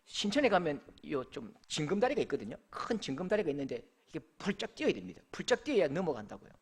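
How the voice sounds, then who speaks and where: A man's voice: a little high, quick pace, slightly rough. A middle-aged man, a pastor, preaching a sermon and telling stories, acting out the voices of the people in them. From Korea. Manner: animated storytelling, acts out voices of the people in his stories.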